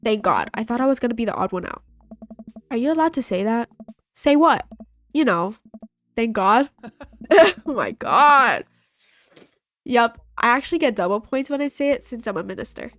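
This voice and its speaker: A woman's voice: on the high side, animated, normal speed, long pauses, a bit bright, no room sound. A young woman with a stuffy nose from a cold, playfully reading a dating game aloud and voicing all of its characters as she plays. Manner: playful, reads characters in her own voice. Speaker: gaming video host. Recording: faint game music behind.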